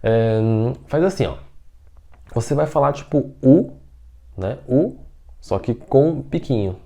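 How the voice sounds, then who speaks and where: A man's voice: medium pitch, expressive, slow, creaky, dark tone. A man with a Brazilian Portuguese accent teaching an online Mandarin lesson, patiently repeating words and checking in with his students all the time.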